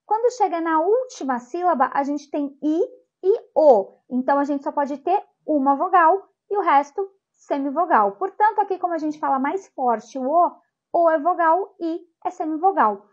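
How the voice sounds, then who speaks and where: A young woman teacher giving a lively grammar lesson, drawing out example words slowly to stress their sounds. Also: high voice, dull audio.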